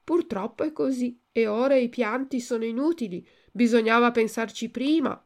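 A woman voicing a kind, wise little female marmot in a storybook, speaking gently and gravely. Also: on the high side, normal speed, voice pushed up, lightly acted. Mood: consoling.

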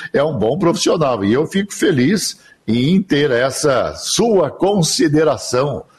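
An older man from the interior of São Paulo, a radio announcer telling his life story in a relaxed, chatty interview over a remote link. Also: fairly high pitch, measured pace, husky. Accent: Brazilian Portuguese, São Paulo interior. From interior of São Paulo state, Brazil. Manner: chatty, laughs easily, rambling anecdotes. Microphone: remote online recording.

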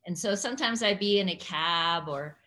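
Woman in her sixties, lowish voice. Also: normal speed, sharp tone. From United States. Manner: laughs often while telling stories. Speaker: interview guest. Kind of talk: casual conversational storytelling.

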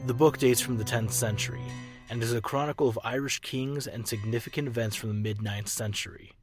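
A man giving scripted narration in a formal, even manner. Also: medium pitch, fairly quick, music in the background.

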